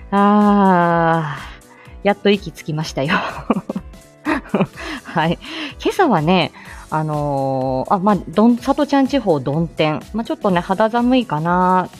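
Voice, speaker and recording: Flustered, chatty woman live-streaming. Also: medium pitch. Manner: flustered, chatty, many fillers and small laughs. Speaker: speech therapist and live-stream host. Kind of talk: casual solo live stream.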